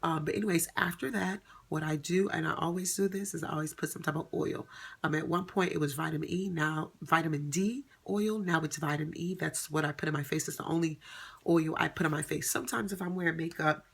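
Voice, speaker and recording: A woman's voice: low voice, fairly even intonation, fairly quick, creaky, husky. A woman in her thirties chatting casually to camera as a vlogger, rambling with many ums and self-corrections. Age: 30s. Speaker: beauty vlogger.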